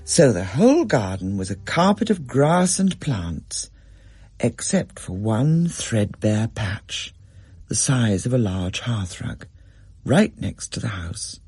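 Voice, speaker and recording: Husky expressive male storyteller. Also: on the low side, slow pace, dry recording. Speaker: narrator. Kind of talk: scripted story narration.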